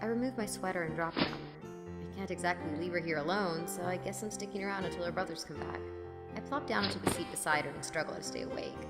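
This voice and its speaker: A woman's voice: lowish voice, fast, close to an everyday voice. An actress playing a weary, haunted young woman who narrates her own story in an audio drama, intimately and expressively. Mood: weary, fond. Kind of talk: first-person audio drama narration, acted. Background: prominent music.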